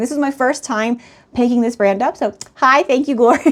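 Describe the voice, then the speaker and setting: A woman with an ordinary speaking voice. She talks at a fairly quick pace. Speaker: full-time reseller and YouTuber. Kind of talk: casual vlog sales recap.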